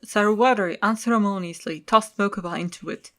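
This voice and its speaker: A woman's voice: mid-range voice, fairly quick. Woman narrating an audio drama.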